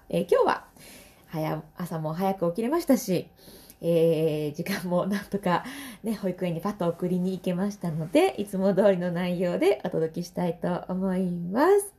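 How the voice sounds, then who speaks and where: A woman in her thirties with a Kansai accent talks through her solo podcast in a chatty, easy way. Her voice is mellow, and her pitch rises and falls in lively swings. She laughs often between phrases. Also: normal speed. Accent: Kansai Japanese. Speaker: podcast host and vocal trainer. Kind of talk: casual solo podcast talk.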